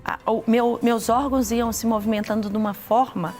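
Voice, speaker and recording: A middle-aged woman from Brazil giving an earnest personal testimony, talking haltingly and restarting often. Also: fairly high pitch, fairly even intonation, darkish tone, faint music behind.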